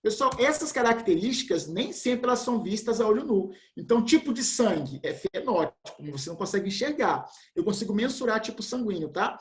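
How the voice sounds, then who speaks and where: In an echoey room, a man teaches a biology class remotely, explaining things in a chatty, casual, slangy way and tossing in "velho" and "pessoal." His voice sits high with lively intonation, and he talks a little fast with hardly any pauses.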